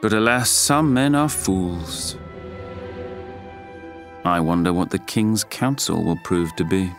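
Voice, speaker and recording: A reflective storyteller of a medieval French court. His lowish voice gives measured, descriptive narration for an audio drama, with a wry edge and clear music underneath.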